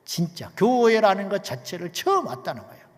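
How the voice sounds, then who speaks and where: High-pitched pastor guy preaching, goes soft then loud, lots of rhetorical questions, big church echo. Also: very animated, a little fast. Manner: emphatic, swings from hushed to loud, rhetorical questions. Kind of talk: sermon.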